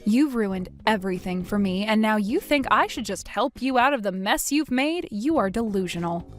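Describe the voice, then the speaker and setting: A woman's voice: medium pitch, lively intonation, normal speed, close to an everyday voice. Brief: woman voicing a cold mocking wronged woman, storybook drama, faint music bed. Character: cold scornful woman, the wronged narrator in scene.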